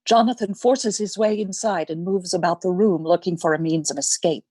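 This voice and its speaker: A woman reading scripted narration for a radio play in a measured, dramatic way. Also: lowish voice, darkish tone, breathy edge, no room sound. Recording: close, dry, faint music behind.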